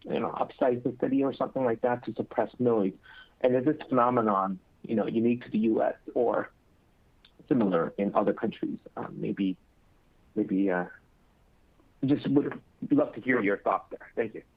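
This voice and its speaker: A man's voice: mid-range voice, normal speed, slightly rough. A man speaking as a financial analyst, politely asking an unscripted question on a conference call. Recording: narrow tinny phone line.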